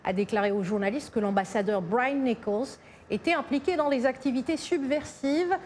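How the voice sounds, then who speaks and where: A woman's voice: a little high, moderate pace, darkish tone, a little hiss or hum. A woman presenting radio news, mostly fluent with the odd filler.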